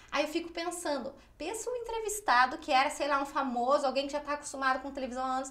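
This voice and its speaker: Her voice is high-pitched, bright and sharp. The woman talks at a very fast pace. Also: lively intonation. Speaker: communication mentor and former TV presenter.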